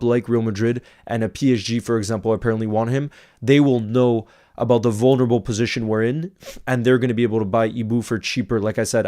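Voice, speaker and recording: A man's voice: mid-range voice, warm tone. A man with an American accent, of half French and half Icelandic origin, hosting a casual football livestream, reading viewer comments and repeating words for emphasis.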